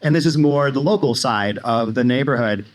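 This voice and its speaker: A man's voice: medium pitch, normal speed. A man hosting an interview video, narrating to viewers in a conversational, guiding way. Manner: conversational, guides the viewer, filler-heavy. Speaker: host of a channel about retiring in Mexico.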